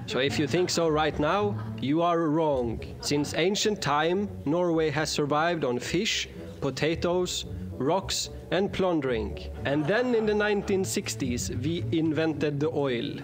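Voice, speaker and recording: A man reading a comic scripted video narration in a deadpan, ironic way. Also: fairly high pitch. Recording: narration over loud music.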